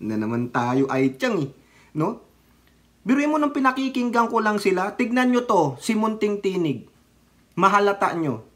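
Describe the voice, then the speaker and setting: A man's voice: high voice, big pitch swings, moderate pace, fairly bright tone. A middle-aged man giving rambling casual commentary on his vlog, mixing languages and asking his viewers "right?". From Philippines. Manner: chatty, rambling, mixes Tagalog and English, asks viewers "di ba?". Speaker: political vlogger.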